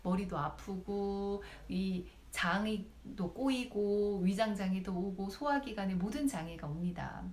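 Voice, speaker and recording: A woman speech lecturer talks straight to her viewers, giving advice. Her pitch rises and falls a great deal as she speaks. The room around her rings with a noticeable echo. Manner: lively, directly addresses viewers. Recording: roomy echo.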